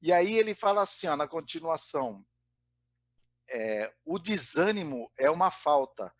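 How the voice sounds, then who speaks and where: A man's voice: on the high side, animated, measured pace, no echo. A man giving an informal spiritist talk, often hesitating and restarting his sentences. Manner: hesitant, many fillers and restarts. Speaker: spiritist study speaker. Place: Brazil.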